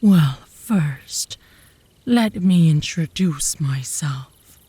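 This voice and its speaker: A woman voicing a flirtatious, obsessive werewolf woman in an ASMR roleplay, with a breathy, teasing drawl that often drops to a whisper, close to the mic. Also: low voice, lively intonation, warm tone, no room sound, heavily acted. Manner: slow, teasing, seductive drawl. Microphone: close ASMR microphone.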